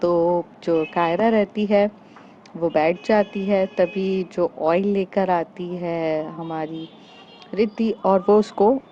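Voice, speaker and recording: A woman narrating a story in an unhurried, conversational way. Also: lowish voice, steady tone, faint music behind. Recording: dull lo-fi with faint noise.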